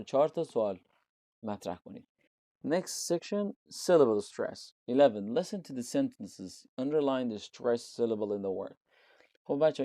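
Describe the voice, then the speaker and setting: A man's voice: mid-range voice, warm tone, dry recording. Persian-accented man teaching an English lesson. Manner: reads English examples slowly, explains in Persian. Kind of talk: IELTS lesson walkthrough.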